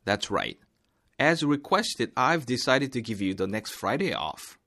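Man reading coworker line, slow, enunciated, textbook dialogue. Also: mid-range voice, very animated, pushed and bright, exaggerated voice. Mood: calm.

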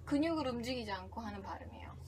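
High-pitched Korean woman teaching English pronunciation. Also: lively intonation, rapid-fire, a little mellow, a little hiss or hum. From South Korea. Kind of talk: conversational podcast lesson.

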